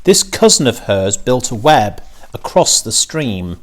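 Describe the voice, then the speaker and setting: An imaginative young farm girl from a storybook, acted out by a man. The delivery is earnest, excited and stubborn, with pitch that leaps about and a slow, deliberate pace.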